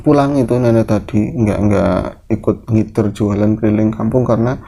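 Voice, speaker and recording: A man's voice: lowish voice, normal speed, warm tone. A man telling a horror story in a casual, rambling way, with fillers and self-corrections.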